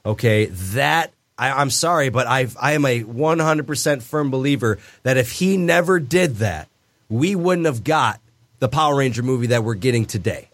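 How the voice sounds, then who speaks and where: A man's voice: mid-range voice, expressive, normal speed. A man co-hosting a podcast, making his points in an emphatic, insistent way. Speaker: podcast co-host. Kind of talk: casual chat.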